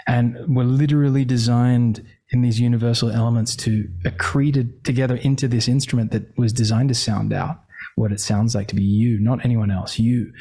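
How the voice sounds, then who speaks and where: A man with a dark, mellow voice in a middle register coaches in a conversational way. He is earnest and emphatic, circling back on phrases to give them weight. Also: mid-range voice, steady tone, moderate pace. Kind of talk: conversational teaching.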